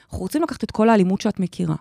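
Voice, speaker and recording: A woman's voice: mid-range voice, expressive, creaky, warm tone, no echo, studio quality. A woman hosting a podcast chat, guiding a guest with emphatic step-by-step explanations. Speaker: host and life coach. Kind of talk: guidance in a casual podcast chat.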